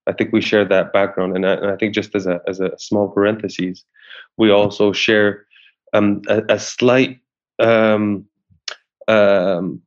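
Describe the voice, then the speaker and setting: A man with a fairly low voice talks about his acting work, often stopping and restarting his sentences. He is from Syria. The recording sounds dull and muffled. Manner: hesitant, many restarts. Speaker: actor. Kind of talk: interview conversation.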